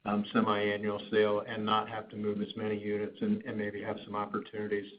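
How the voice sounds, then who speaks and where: Even, low-pitched male executive, noisy muffled line. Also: fairly quick. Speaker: company finance executive on an earnings call. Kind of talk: business outlook commentary, partly prepared. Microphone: conference call line. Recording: noisy, muffled conference call.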